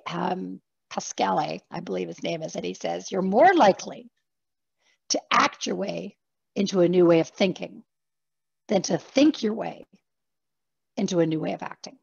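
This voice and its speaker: A woman executive coach giving an online workshop, talking fast and animatedly and acting out her examples. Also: fairly low pitch, vocal fry, darkish tone, slightly rough, no room sound, muffled recording. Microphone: video call.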